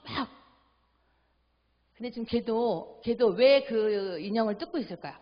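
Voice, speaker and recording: Middle-aged woman, seminar lecturer, animated, acts out dialogue, echoey church hall, dull recording. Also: a little high, moderate pace. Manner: animated, acts out family dialogue, asks audience for agreement. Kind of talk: church family seminar talk.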